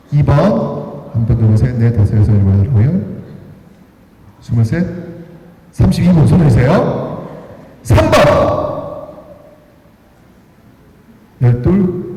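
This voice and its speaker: A man lectures in a large hall, his high voice swinging up and down as he quizzes the crowd and counts their raised hands. His tone is mellow, and long reverb trails every phrase. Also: distant mic. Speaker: history lecturer. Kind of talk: live lecture to an audience.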